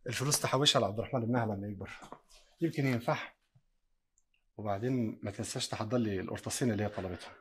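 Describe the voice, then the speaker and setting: An actor with an Egyptian accent playing a calm, pious go-between who talks in a reassuring, matter-of-fact way. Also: male voice, on the low side, very fast, a little hiss or hum, lightly acted. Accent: Egyptian Arabic. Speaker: go-between friend. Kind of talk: Egyptian TV drama acting.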